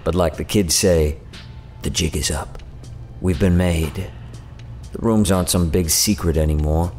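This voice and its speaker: Very low, sardonic faerie envoy. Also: male voice, steady tone, a little slow, darkish tone, soft background music. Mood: wry, amused. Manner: sardonic, casual, taunting drawl. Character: flippant, sardonic male otherworldly envoy of a faerie court. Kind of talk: audio drama acting.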